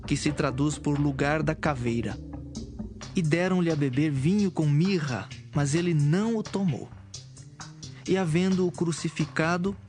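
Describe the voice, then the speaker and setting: Higher-pitched man narrating scripture. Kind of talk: scripted audio Bible narration. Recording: music behind the voice.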